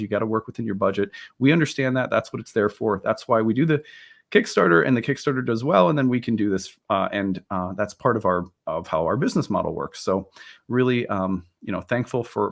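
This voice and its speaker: A man in his thirties, a little hoarse from a cold, hosting a relaxed, rambling talk about astrology. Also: medium pitch. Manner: relaxed, rambling, with many fillers and restarts. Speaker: astrology teacher and channel host. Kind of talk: casual solo talk to camera.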